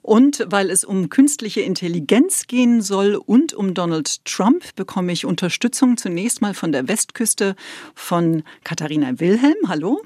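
A woman hosting a radio podcast from a studio, presenting in a clear, measured way. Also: medium pitch, lively intonation, mellow, no echo. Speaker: podcast host. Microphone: studio microphone.

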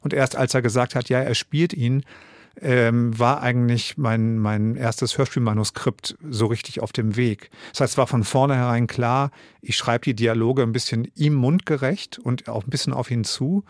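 A man's voice: medium pitch, fairly even intonation, moderate pace, no echo, studio quality. A man in his fifties, an author and radio drama director, giving thoughtful interview answers and often restarting his sentences as he searches for words. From Germany.

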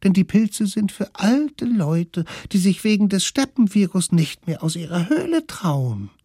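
A man voicing a group of excited, bossy little Stone Age children in a storybook reading. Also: unhurried, husky, dry recording, clean studio sound, exaggerated voice. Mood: bossy, eager. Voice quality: squeaky, high and loud.

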